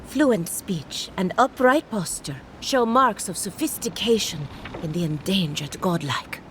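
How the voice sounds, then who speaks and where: A quirky woman scientist in a video game, clinical and patronizing. Her pitch leaps about theatrically, with a sing-song lilt and faint noise behind her. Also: fairly bright tone. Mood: delighted curiosity. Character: eccentric, condescending woman researcher, fascinated by her specimen. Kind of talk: video game character dialogue.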